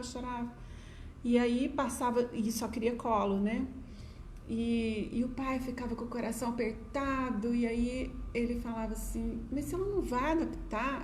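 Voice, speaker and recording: A middle-aged Brazilian woman with a Brazilian Portuguese accent tells stories in a warm, chatty voice that sits a little high. She sprinkles her talk with diminutives and "né?" asides. The sound is roomy and echoey, with a faint hum of ambient noise behind it. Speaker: educator sharing stories. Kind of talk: casual storytelling talk to viewers.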